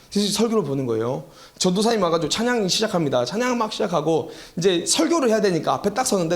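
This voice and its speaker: A man preaching a revival sermon as pastor, telling a personal story and asking the congregation questions. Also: high-pitched. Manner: animated, acts out quoted voices, rhetorical questions to congregation.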